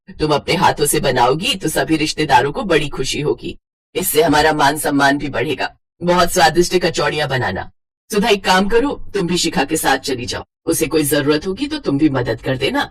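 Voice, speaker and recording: A woman voicing a stern but caring middle-aged mother-in-law, speaking lower and firmly in an animated storybook. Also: husky. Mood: commanding. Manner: lower, firm, instructive.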